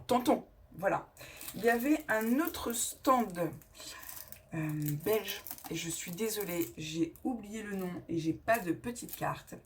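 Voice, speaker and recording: A woman's voice: on the low side, slight background noise. A woman talking casually in a haul vlog, chatty and rambling, often correcting herself as she shows her crafting purchases. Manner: chatty and rambling, with frequent self-corrections and laughs; enthusiastic, showing items to the camera. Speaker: scrapbooking vlogger.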